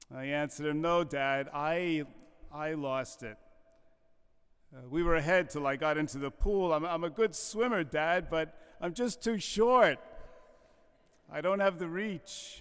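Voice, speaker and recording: A man with a New York accent, fairly high-pitched, with ordinary pitch variation, a fairly slow pace and long, frequent pauses. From New York, Brooklyn. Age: 60s. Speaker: priest. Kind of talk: sermon.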